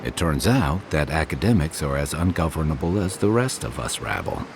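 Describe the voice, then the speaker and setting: A wry, very deep-voiced game adventurer. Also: male voice, expressive, normal speed, creaky, noisy background, full character voice. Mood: thoughtful, wry. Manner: wry, teasing, reflective. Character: easygoing wry male adventurer companion, weathered but good-humoured. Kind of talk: naturalistic video game dialogue.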